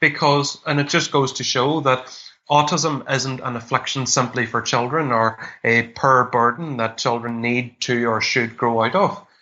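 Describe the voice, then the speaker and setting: With a Derry accent, a man speaks fairly slowly at a medium pitch and with ordinary pitch variation. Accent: Northern Irish (Derry). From Northern Ireland, Derry. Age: 20s. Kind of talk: interview.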